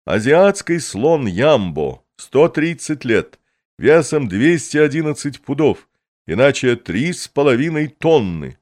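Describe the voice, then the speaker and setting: A man voicing a boastful grown male circus clown who announces his acts to the crowd in a pompous, drawn-out showman's voice. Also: mid-range voice, very animated, darkish tone, pitched above the performer's own voice. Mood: announcing.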